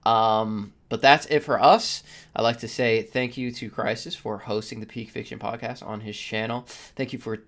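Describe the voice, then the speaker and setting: A man hosting a casual podcast, speaking in a halting, stop-start way. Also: fairly low pitch, fairly even intonation, creaky, fairly bright tone. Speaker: podcast host.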